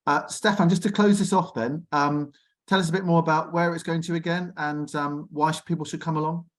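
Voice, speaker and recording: A man's voice: fairly high pitch, steady tone, fairly quick. A man hosting an arts discussion on a video call in a chatty, enthusiastic way. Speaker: host.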